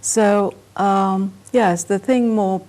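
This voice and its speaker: A woman artist from Pakistan, a native Urdu speaker, answering interview questions in a reflective, soft-spoken way. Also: mid-range voice, steady tone, extremely slow.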